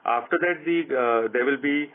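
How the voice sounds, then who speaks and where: A man speaking as a company executive on an earnings call, answering questions in a measured, guarded, formal way over a conference line. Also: medium pitch. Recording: narrow-band phone conference line.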